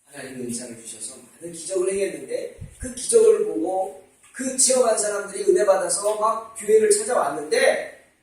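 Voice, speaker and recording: Male pastor, high voice, fervent sermon delivery; heavy church reverb, distant mic. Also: animated, a little fast, darkish tone. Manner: impassioned preaching, calling on the congregation. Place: church sanctuary. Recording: echoey church hall, mic far off.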